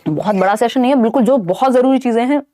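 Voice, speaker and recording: A woman's voice: on the high side, fast, mellow, slight background noise. A young woman teaching an exam-prep lesson, explaining with rhetorical questions and mixing in English terms. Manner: explains in Hindi with English terms, asks and answers own questions.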